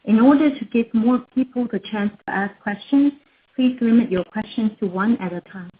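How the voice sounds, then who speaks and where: A woman moderates a corporate call in short, scripted directions. Her voice is fairly high, and it comes through thin and narrow like a telephone. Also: moderate pace, a little hiss or hum. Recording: thin, narrow phone-like sound.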